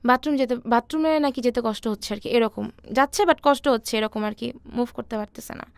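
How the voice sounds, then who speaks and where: A young woman, telling her personal story softly and hesitantly with many fillers. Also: fairly high pitch, fairly quick, no room sound, clean studio sound. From Bangladesh. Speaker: interview guest.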